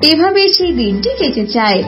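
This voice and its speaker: A woman's voice: high voice, sing-song, brisk, muffled recording, faint music behind. A woman narrating a scripted children's story.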